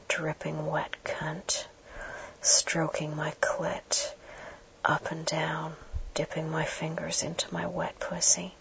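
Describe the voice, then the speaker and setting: Whispered role-play: woman, murmuring right at the ear, very monotone and unhurried, on a dull, noisy recording. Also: sits low. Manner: slow, hushed, instructing the listener directly. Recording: dull muffled audio with clear background noise.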